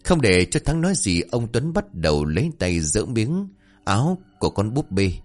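A man narrating a horror story dramatically, swinging between tense and hushed delivery. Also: on the low side, sing-song, normal speed, soft background music.

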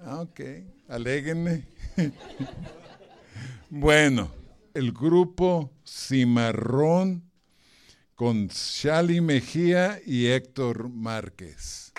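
A man's voice: medium pitch, extremely slow, pauses often. A man acting as master of ceremonies, teasing the crowd and introducing acts in a chatty way at a live event. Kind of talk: joking stage banter and introductions.

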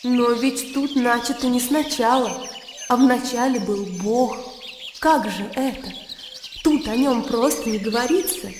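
A woman's voice: fairly high pitch, unhurried, noisy background, natural voice. An actress playing an earnest, dreamy young woman in a radio drama. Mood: pensive. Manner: earnest, pensive, lightly playful. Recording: roomy studio reverb with background sound.

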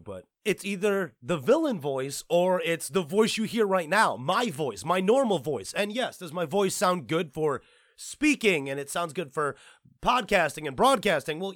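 A man hosting a podcast, talking in a casual, rambling and excitable way, tripping over his words and swearing now and then. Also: on the high side, no echo, studio quality. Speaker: podcast host and producer.

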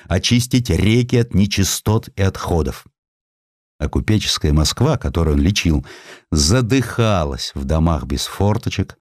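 Guy reading an audiobook, lowish voice, really animated and dramatic delivery, dry studio sound. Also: no echo. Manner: dramatic, emphatic storytelling. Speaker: audiobook narrator. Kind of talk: expressive scripted literary narration.

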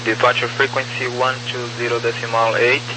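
A man working as a controller, reading out a route clearance piece by piece in a halting way over aviation radio. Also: mid-range voice, flat delivery. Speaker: air traffic controller giving clearance. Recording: humming, noisy aviation radio.

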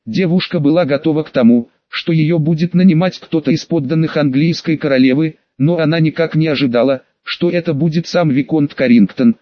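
Guy narrating an audiobook, kinda high voice, dull lo-fi, dry close sound. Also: no room sound. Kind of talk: scripted narration.

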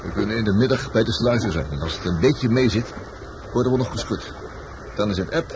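An actor in a Dutch radio play playing a world-weary, blunt lover and sailor, terse and fatalistic. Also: male voice, lowish voice, expressive, fairly quick, lightly acted. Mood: urgent, decisive. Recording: dull, noisy old radio drama recording.

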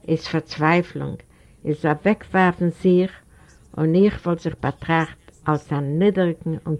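A woman's voice: low-pitched, lo-fi sound. Woman voicing a pleading old man. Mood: stern. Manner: humble, imploring, formal address.

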